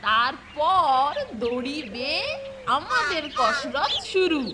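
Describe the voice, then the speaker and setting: A woman's voice: high voice, lively intonation, takes it slowly, very noisy. A woman voicing an eager, boastful schoolboy in a comedy cartoon, with music behind. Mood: confident. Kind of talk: Bengali comedy cartoon dub.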